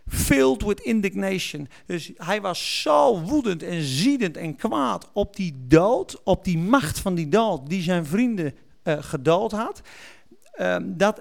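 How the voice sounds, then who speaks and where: A man with a high, creaky voice delivers a sermon. He reads Bible verses aloud, explains them, and fixes small slips along the way.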